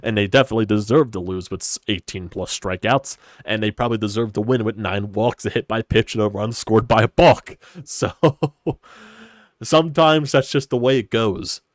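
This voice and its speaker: Brief: stuffy-nosed young male stream host, low voice, dry close sound, rambling and opinionated. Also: normal speed, no room sound. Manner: rambling, opinionated, swears casually. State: congested, stuffy nose. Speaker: sports podcast host. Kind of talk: casual solo sports talk stream. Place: hot stuffy room at home.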